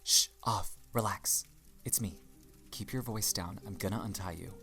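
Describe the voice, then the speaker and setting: A wry, bold devil creature with an extremely low voice, acted by a woman. The delivery is urgent and dry, in audio drama style. Music is clearly audible underneath. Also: normal speed, a bit bright. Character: wry, bold goat-headed devil cryptid. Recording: music behind the voice.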